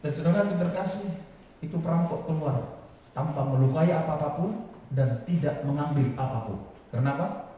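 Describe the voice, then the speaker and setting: A man preaching a sermon, often rising to loud, high, emphatic lines and quizzing the congregation. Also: moderate pace, lo-fi sound, background noise. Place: large church hall. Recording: echoey hall from far off.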